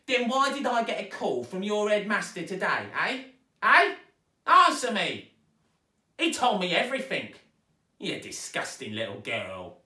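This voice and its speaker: A man's voice: high-pitched, huge pitch swings, a little slow, bright, forceful tone, pitched above the performer's own voice, heavily acted. A man voicing a coarse, bullying stepmother in a storybook, screeching and scornful, recorded in a roomy space away from the microphone. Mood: furious. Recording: roomy echo, distant microphone.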